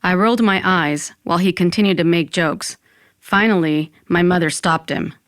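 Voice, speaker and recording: A woman's voice: on the low side, normal speed, dry recording, studio quality, natural voice. A woman playing a wry Latina narrator who tells her own story in an audio fiction podcast. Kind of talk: scripted first-person narration.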